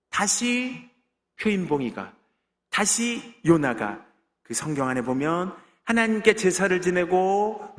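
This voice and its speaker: A man's voice: a little high, fairly bright tone. A middle-aged man, a pastor, giving an emphatic testimony sermon in a church sanctuary, punctuating points with amens. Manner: emphatic preaching with frequent amens and call-and-response. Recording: long reverb of a church sanctuary.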